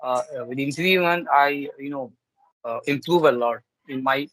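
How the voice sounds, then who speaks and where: A man's voice: mid-range voice, moderate pace, a bit bright, no room sound, rough recording. Hesitant Indian man on a video call. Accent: Indian English. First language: Urdu. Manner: hesitant, many fillers and restarts. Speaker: English learner. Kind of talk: casual video call chat.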